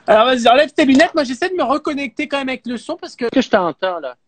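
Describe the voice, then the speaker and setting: Playful husky French host. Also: male voice, very high voice, fast talker. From France. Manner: animated, playful, self-mocking. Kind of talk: live comedy talk show.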